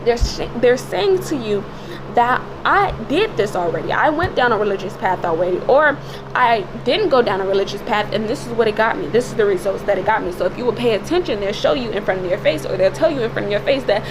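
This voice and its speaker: A woman with a slightly raspy, cracking voice giving informal, preachy commentary in an emphatic, repetitive way as a video creator. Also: on the high side, animated, quick pace, noisy background. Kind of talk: informal spoken commentary with religious exhortation.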